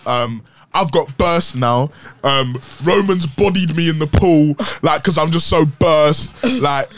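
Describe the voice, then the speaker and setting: A man's voice: a little high, takes it slowly. A young man with a London roadman accent, chatting casually and telling stories in heavy slang. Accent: London, urban roadman slang style. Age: young adult. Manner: slangy, acts out his friends' quotes loudly. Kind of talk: casual chat, animated storytelling.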